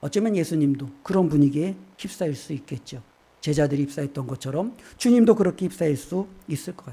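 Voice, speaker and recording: Somewhat breathy with a dark, mellow tone, a man of fairly high pitch talks at a fairly quick pace with lively intonation and big swings in loudness. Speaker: pastor. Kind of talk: sermon. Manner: fast.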